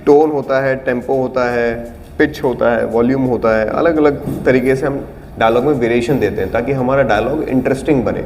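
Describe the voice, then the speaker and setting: A man's voice: medium pitch, normal speed, darkish tone. A man teaching an acting class, explaining auditions patiently and demonstrating lines in different tones and volumes. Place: acting studio room. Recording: reverberant room with faint background noise.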